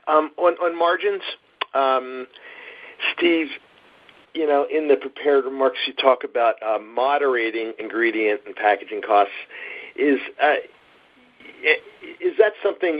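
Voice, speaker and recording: A man asking questions as an analyst on an earnings call, halting and rephrasing as he goes. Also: mid-range voice, dry recording. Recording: dull, dry phone-call audio.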